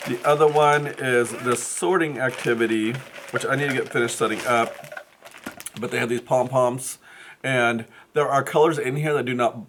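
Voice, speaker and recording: A man's voice: mid-range voice, fairly even intonation, moderate pace, noisy background. A man who teaches first grade, chatting casually to his vlog camera, rambling and correcting himself as he thinks aloud. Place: school classroom.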